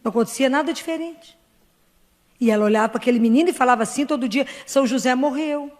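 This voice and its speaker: A woman's voice: a little high, very fast. A middle-aged woman preaching a devotional sermon, earnest and pleading, often voicing quoted prayers. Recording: long reverb with soft music. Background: soft music.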